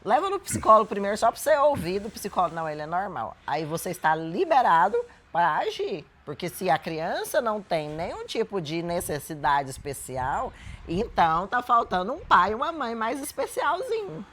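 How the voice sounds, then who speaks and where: A woman's voice: mid-range voice, big pitch swings, moderate pace, a bit bright. A woman with a Brazilian Portuguese accent, co-hosting a Christian couples' talk and earnestly explaining her views on raising children. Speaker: co-host of a Christian couples' channel. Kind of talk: reflective advice talk.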